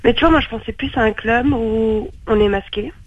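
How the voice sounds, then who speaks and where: A woman on the radio calmly going along with a caller's prank. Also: on the high side, brisk, slightly rough, dry recording, dull audio.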